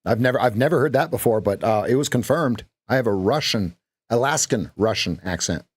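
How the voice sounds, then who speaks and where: A man's voice: mid-range voice, animated, fairly quick, slightly rough. A man with a mid-range voice hosts a live day-trading stream from his desk. He talks loosely to his chat and doubles up his words as he follows the charts. The sound is dry and close, with little room echo. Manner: chatty, repeats phrases, talks to chat.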